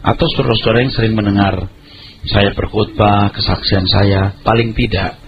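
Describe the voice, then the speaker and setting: A man's voice: fairly low pitch, steady tone, moderate pace, background noise. A middle-aged male pastor preaching a sermon, emphatic and conversational, with colloquial asides to the congregation. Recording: dull lo-fi audio with music behind. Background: background music.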